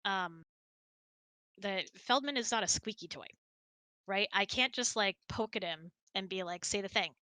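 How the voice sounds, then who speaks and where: A woman's voice: medium pitch, a little slow, sharp tone, no room sound. A woman hosting a casual question-and-answer chat in an informal, giggly, chatty way. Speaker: host.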